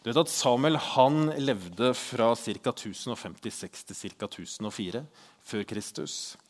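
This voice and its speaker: A man giving a Bible lesson who reads scripture aloud and explains it in a chatty way, asking the listener questions. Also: medium pitch. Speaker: Bible teacher.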